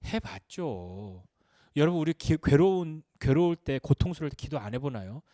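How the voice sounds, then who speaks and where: Korean pastor guy, sunday sermon, slightly high voice that swings all over, dry close sound. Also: normal speed, no room sound. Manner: lively, questioning, rises and drops for emphasis.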